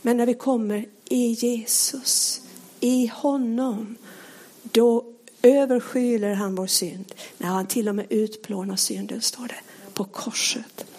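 A woman preaching a sermon, earnest and pleading, often sinking to a hushed whisper. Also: fairly high pitch, steady tone.

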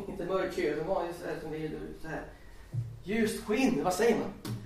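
A man's voice: high-pitched, a little mellow, a little hiss or hum. A man preaching a sermon, telling a story and reciting scripture with rising emphasis. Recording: echoey hall, distant from mic.

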